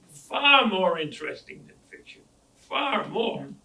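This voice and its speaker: Very slowly, a man speaks with an American accent. His voice is raised and projected. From New England, US (New Bedford, Massachusetts). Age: 80s+. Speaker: author and historian. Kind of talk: audience Q&A talk. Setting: club meeting with live audience.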